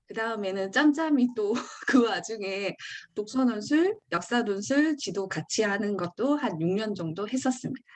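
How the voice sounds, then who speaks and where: Against a quiet background, a woman with a slight Daegu accent talks at a fairly slow pace, her fairly high pitch carrying lively intonation. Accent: slight Daegu (Gyeongsang). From Daegu, South Korea. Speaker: author and former Korean-language teacher. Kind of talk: online lecture.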